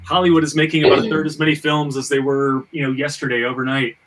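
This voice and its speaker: A man with a sharp, bright voice hosts a casual panel discussion. He works through his points aloud, often doubling back and stammering on small words. He sounds a little removed from the microphone. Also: mid-range voice, flat delivery, quick pace, recorded from a distance, low-quality recording. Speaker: podcast host; screenwriter and fiction writer. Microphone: video call.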